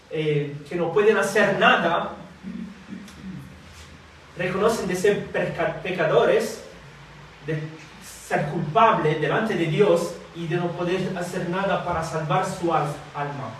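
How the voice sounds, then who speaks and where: Guy preaching in a church hall, kinda high voice, lots of eh and restarts, sounds far off and super echoey. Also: fairly bright tone, slight background noise. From Italy. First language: Italian or Filipino language. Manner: halting, many fillers and restarts. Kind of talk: sermon and prayer.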